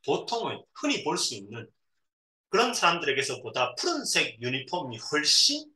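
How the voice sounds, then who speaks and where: A lively, bright-voiced father reading aloud. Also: a little high. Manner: reads a passage, then pauses to explain words simply to a child; acts out quoted lines in lively voices. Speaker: father reading a novel aloud to his son. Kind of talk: read-aloud with explanations. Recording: roomy echo, a bit far from the mic, faint noise.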